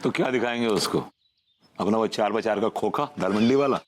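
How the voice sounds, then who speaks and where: A man's voice: on the low side, a little fast, background noise, natural voice. An actor playing a sneering man who mocks a rival. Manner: sneering, mocking.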